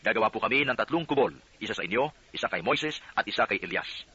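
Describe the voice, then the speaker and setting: Brief: eager devoted disciple, voiced by a man, quick and slightly husky. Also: on the low side, lively intonation, pushed and bright, full character voice. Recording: dull lo-fi audio.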